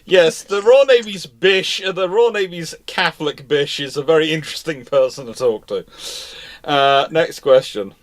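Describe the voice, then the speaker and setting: A man with a slightly high voice speaks at a normal speed while hosting a naval history live stream. He chats casually and answers questions, rambling and interrupting himself.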